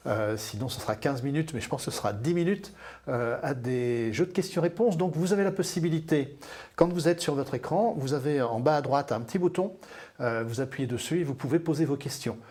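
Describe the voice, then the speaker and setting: A man hosts a live panel discussion, welcoming guests and laying out the plan in a friendly, chatty way. His voice carries a light husky grain at a middle pitch, and he pauses often to find his words. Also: expressive, a little mellow. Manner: friendly, chatty introductions with frequent hesitations. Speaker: panel moderator. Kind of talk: moderating a live panel webinar.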